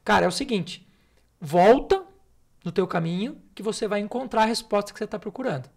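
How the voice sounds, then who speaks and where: God in a fable talking casual and direct, told by a man, quick. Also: high-pitched, lively intonation, vocal fry, darkish tone, heavily acted. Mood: calm.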